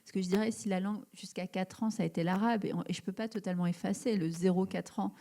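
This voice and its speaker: A woman's voice: medium pitch, fairly even intonation, fast, mellow. A woman in her thirties from Algeria, a writer answering questions in a live public interview, searching for words with many fillers and restarts. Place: event hall before an audience.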